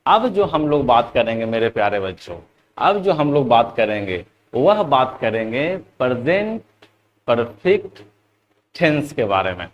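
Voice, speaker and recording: A man teaching English grammar to students, explaining in Hindi, slowly dictating example sentences and often addressing the class as "children". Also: mid-range voice, very animated, highs cut off. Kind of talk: classroom lesson.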